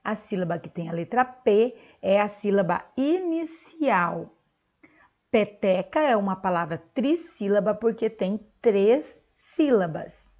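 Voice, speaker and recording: Brazilian teacher lady, slow and singsongy, spelling out words for little kids. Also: medium pitch, a little mellow. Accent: Brazilian Portuguese. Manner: slow, clear and sing-song, drawing out words for children. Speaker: primary school teacher. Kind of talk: recorded remote lesson for young children.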